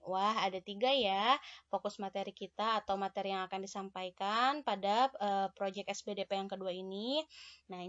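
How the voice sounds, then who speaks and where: A woman teaching young children in an online lesson, gentle and encouraging, checking in with them often. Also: medium pitch, highs cut off. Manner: gentle, encouraging, addresses pupils warmly with many "ya" and "nah".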